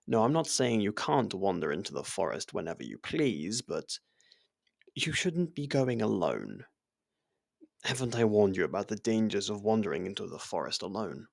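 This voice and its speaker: A performer voicing a devoted, worried royal servant who speaks formally and haltingly in an ASMR fantasy roleplay. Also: mid-range voice, creaky, no room sound, studio quality, pitched below the performer's own voice. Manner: earnest, formal, deferential, halting. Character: devoted royal servant, worried, gently scolding close friend.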